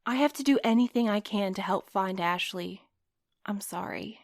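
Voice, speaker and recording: A woman playing a hesitant, gentle young courier in an audio drama. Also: medium pitch, normal speed, heavy background noise, close to an everyday voice. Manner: hesitant, conciliatory.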